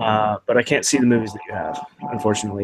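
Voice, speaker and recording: There is noticeable background noise as a man speaks at a medium pitch with an American accent. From Florida, US (early years in Alabama). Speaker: YouTuber demonstrating deduction. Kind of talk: livestream Q&A with video callers. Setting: livestream video call. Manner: hesitant, many fillers.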